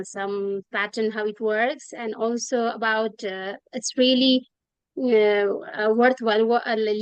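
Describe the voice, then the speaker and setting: A woman's voice: fairly high pitch, smooth, dry recording. A woman from Nepal, a first-time guest, giving hesitant comments full of fillers on a video call. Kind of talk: casual online meeting comments.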